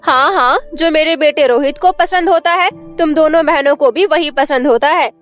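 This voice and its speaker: Actress as a scornful cartoon stepmother, high and sharp, scolding constantly. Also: normal speed, soft background music, close to an everyday voice. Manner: shrill, scornful, nagging. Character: scolding mean stepmother, middle-aged woman. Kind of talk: cartoon voice acting.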